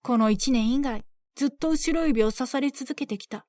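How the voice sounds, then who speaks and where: A woman's voice: sits high, moderate pace, dark tone, dry recording, studio quality, lightly acted. A woman playing a fretful old village mother. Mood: weary. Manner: fretful, scolding yet tender. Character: worried old village mother, soft-hearted.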